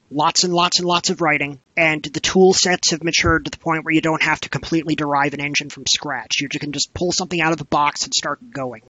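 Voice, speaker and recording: A man speaking candidly and conversationally as an interview guest, with an animated way of talking. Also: a little high, dry recording, highs cut off. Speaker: guest game developer.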